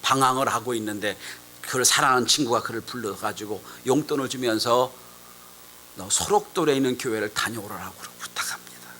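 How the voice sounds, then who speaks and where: A man preaching a sermon as a pastor, telling a story with sudden loud, emphatic rises and hushed drops. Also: medium pitch, a little fast, slight background noise, low-quality recording.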